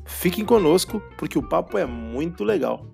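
Upbeat gravelly man announcing a podcast intro. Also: a little high, lively intonation, normal speed. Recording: guitar music underneath. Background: faint guitar music.

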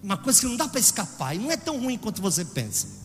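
A man preaching a sermon with a Brazilian Portuguese accent, swinging from loud exclamations to hushed storytelling. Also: sits high, very animated, rapid-fire, big-room sound, soft background music.

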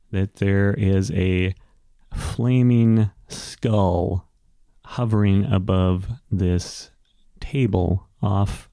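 A man acting as game master, improvising narration and chatting casually, often pausing to find his words. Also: on the low side, creaky, dark tone, clear, resonant tone, no room sound, clean studio sound. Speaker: game master and show host.

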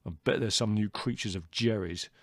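A man's voice: lowish voice, moderate pace, no room sound, voice pushed up, lightly acted. Man acting a sour, aggrieved young brother. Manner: sour, complaining. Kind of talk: audiobook character dialogue.

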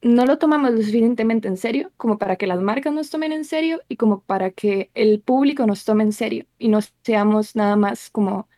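A young woman from Costa Rica, a content creator, talking calmly in a casual chat. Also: on the high side, brisk, hardly any pauses, no echo, clean studio sound.

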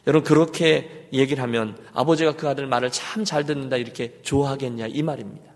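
A man preaching a sermon as pastor, swinging between loud urging and hushed pleading. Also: mid-range voice, quick pace, in a large hall. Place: church sanctuary.

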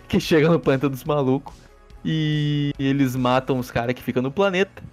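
A man's voice: medium pitch, normal speed, darkish tone. A man with a Brazilian Portuguese accent hosting a casual movie review podcast, sarcastic and profane, rambling with restarts. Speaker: podcast host. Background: faint background music.

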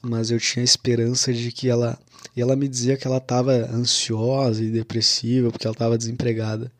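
Young guy w telling his own story, pretty flat and even, dry close sound. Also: mid-range voice, a little fast, no echo. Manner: casual, confessional, with frequent "cara" and "né". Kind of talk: personal storytelling monologue.

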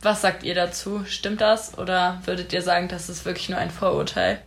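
A woman's voice: lowish voice, steady tone, normal speed, creaky. Inquisitive young woman moderating. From Jülich, Germany. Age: young adult. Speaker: discussion moderator. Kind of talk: casual discussion.

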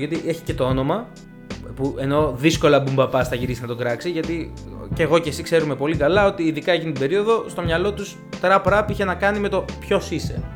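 Young male co-host, slightly higher voice, lively, swears, interrupts, music playing underneath. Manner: animated, swears casually, cuts in often. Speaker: podcast co-host. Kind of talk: casual chat about rap music.

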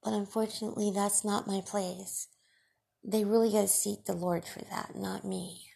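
A woman podcast host and radio broadcaster with Farsi as her first language, talking in a deliberate, emphatic monologue that scolds her critics. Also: mid-range voice, flat delivery, creaky, mellow, slightly rough.

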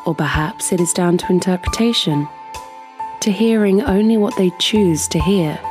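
A woman's voice: on the low side, natural voice. An actress playing a hurt, bitter woman in an audio drama, emotional and pointed in her delivery. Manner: emotional, accusing, sarcastic. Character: hurt, bitter woman confronting her cousin over betrayal.

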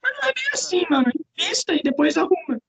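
A woman's voice: very high-pitched, big pitch swings, quick pace, gravelly, a bit bright. A woman in her twenties interviewing casually, using slang and informal speech. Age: 20s.

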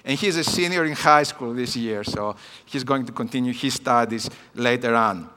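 A man's voice: medium pitch, moderate pace, sharp tone, big-room sound, slight background noise. A man of about fifty with a Greek accent, a native Greek speaker giving a personal talk at a church conference, with many hesitant fillers. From Greece. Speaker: guest missions speaker. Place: church hall.

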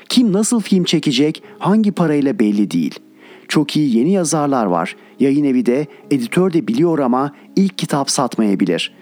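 A man's voice: medium pitch, darkish tone. A man reading a reflective first-person account, recounting a vivid dream and then lamenting hard times, in scripted narration.

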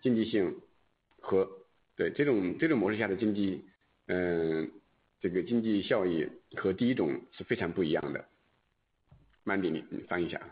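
A male executive answering on an earnings call in a deliberate, halting way. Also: sits low, lively intonation. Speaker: company executive answering questions. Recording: thin phone-like conference line.

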